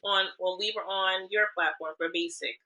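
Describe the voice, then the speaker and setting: A woman's voice: medium pitch, steady tone, moderate pace, sharp tone, low-quality recording. A woman hosting a casual faith podcast, affirming her guest with short interjections. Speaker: podcast host.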